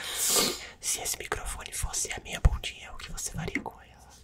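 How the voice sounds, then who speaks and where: This man whispers. His words come at a fairly quick pace. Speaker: ASMR creator interviewing his partner. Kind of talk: casual interview questions. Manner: soft close-mic ASMR voice. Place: home room. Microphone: studio mic.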